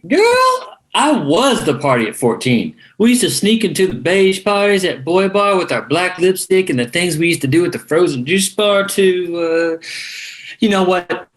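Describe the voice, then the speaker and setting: Animated sassy thirty-something gay man male actor. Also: high-pitched, normal speed. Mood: playful, sassy. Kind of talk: script table read.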